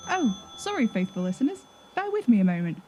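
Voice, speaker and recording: A woman's voice: on the high side, very animated, brisk, music in the background. Formal, self-deprecating woman radio presenter , acted. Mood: apologetic. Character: wry, apologetic woman radio presenter of a psychic advice show. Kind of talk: fictional radio show monologue.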